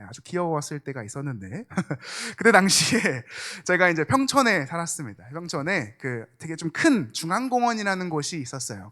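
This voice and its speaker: A man's voice: fairly high pitch, sharp tone. A young man preaching a sermon in a church, telling a personal story with acted-out quotes and dropping at times to a near whisper. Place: church sanctuary.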